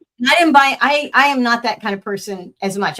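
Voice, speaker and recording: A woman speaks in a plain, everyday voice at a moderate pace. Her intonation is lively. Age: 60s. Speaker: military veteran guest. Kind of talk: casual talk radio discussion.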